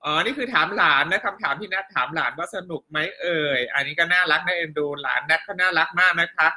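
A woman's voice: lowish voice, fast talker. A middle-aged woman teaching a casual live online class, chatting and reading viewers' comments aloud in a friendly teacher's manner. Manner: chatty, warm teacher tone, polite particles, frequent laughs. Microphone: home live-stream setup.

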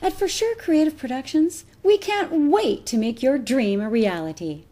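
A woman delivers scripted promotional narration. Her voice sits fairly high and moves through a very animated range of pitch. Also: normal speed. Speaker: voice artist and narrator.

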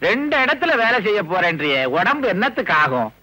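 A scolding, sarcastic father; bright, high tone. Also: sing-song, a little fast, no room sound, exaggerated voice, rough recording. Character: grumbling suspicious father, sarcastic. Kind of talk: 1980s Tamil film comedy.

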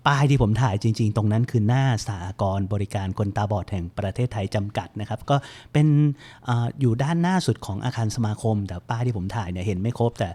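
A man hosting a computer help show, giving a relaxed, chatty step-by-step screen-reader tutorial with lots of fillers. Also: fairly low pitch, fast, hardly any pauses.

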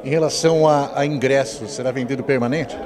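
A man's voice: mid-range voice, steady tone, fairly quick, crowd noise. A man with a Brazilian accent working as a TV reporter, putting questions to interviewees. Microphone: handheld interview microphone. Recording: echoey room with faint noise.

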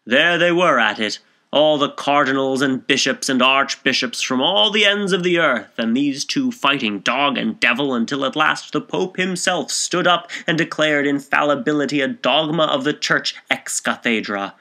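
A man voicing a self-assured middle-aged gentleman in an audiobook, declaiming his stories with solemn emphasis. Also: expressive, normal speed. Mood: triumphant, solemn. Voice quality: deep, raucous.

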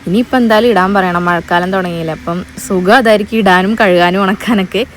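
A woman's voice: mid-range voice, fairly even intonation, fast talker, a little hiss or hum. A young woman, narrating her day as a family vlogger in a chatty way, often turning to viewers with asides. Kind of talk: casual day-in-my-life narration.

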